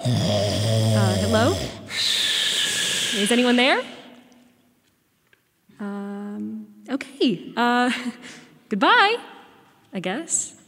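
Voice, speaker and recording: An actress playing a bored call-center operator named Janine. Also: female voice, medium pitch, sing-song, drawn-out words, long pauses, fairly bright tone, in a large hall, a little hiss or hum, exaggerated voice.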